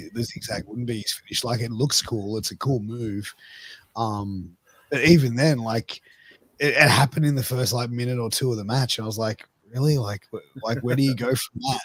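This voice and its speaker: A man's voice: mid-range voice, moderate pace, breathy edge. Male podcast host, blokey and profane, worn-out recovering voice that cracks, chatting casually about wrestling.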